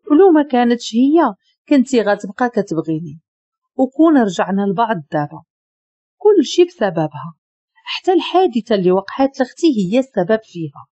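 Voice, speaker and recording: A woman's voice: on the high side, mellow, dry recording, highs cut off. Woman voicing a jealous, pleading Moroccan ex-lover. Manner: pleading, bitter, shaky.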